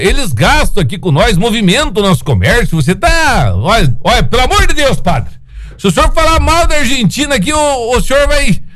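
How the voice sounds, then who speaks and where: A man hosting an informal radio-style show from his phone, telling jokes in an animated way, laughing often and acting out the characters. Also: high voice. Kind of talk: joke telling and casual chat.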